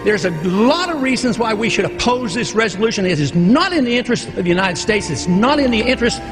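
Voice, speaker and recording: High-voiced man arguing plainly. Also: animated, fast talker, over music. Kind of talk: political speech.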